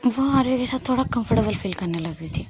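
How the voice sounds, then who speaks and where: A woman's voice: a little high, lively intonation, quick pace, darkish tone. A young woman narrating a love story casually, often dropping to a whisper and correcting herself as she goes.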